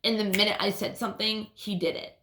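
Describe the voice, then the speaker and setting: A woman's voice: mid-range voice, steady tone, fairly quick, noisy background. A woman with a lisp telling a rambling personal story in a casual, swear-filled way, often restarting her sentences. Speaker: vlogger. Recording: roomy echo.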